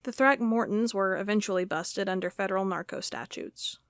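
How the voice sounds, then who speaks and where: An actress playing an uneasy, dogged FBI agent dictating case notes in an audio drama, halting and conversational. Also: female voice, mid-range voice, smooth, no room sound, clean studio sound, close to an everyday voice. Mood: troubled, searching. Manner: halting, conversational, self-correcting. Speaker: FBI records agent character. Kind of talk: audio drama monologue, spoken like a recorded log.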